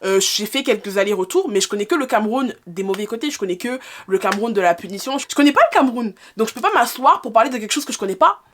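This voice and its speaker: A woman's voice: on the high side, lively intonation, fast, few pauses, a bit bright, a little hiss or hum. Frank young woman vlogging. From France. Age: 20s. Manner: frank, exasperated, rhetorical questions. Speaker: YouTuber answering viewer questions. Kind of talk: casual FAQ vlog.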